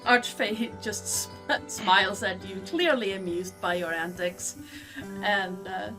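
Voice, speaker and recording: A woman's voice: mid-range voice, slow, faint music behind. A woman narrating as game master in a tabletop game, speaking hesitantly with many fillers.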